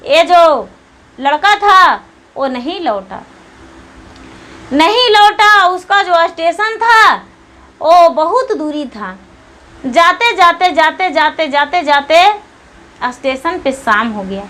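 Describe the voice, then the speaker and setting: Slow, high-voiced woman telling a devotional story. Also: animated, bright, forceful tone. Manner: repetitive, earnest retelling with repeated phrases. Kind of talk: Shiva devotional story narration.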